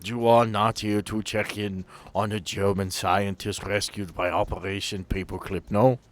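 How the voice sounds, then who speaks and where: A man's voice: lowish voice, little pitch movement, moderate pace, a little hiss or hum, natural voice. A man voicing an unrepentant, courteous old German scientist in a tabletop game, with formal, rambling speech. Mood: coolly confessing. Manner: formal, rambling, tagging questions with "yes?" and "right?".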